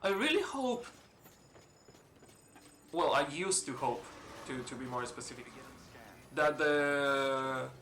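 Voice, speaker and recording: A man's voice: on the high side, animated, slow, long pauses, sharp tone. A man from Spain with a mixed, Spanish-influenced accent, rambling through casual let's-play commentary, swearing freely and chuckling often. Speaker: gaming channel host. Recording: roomy echo, faint hiss.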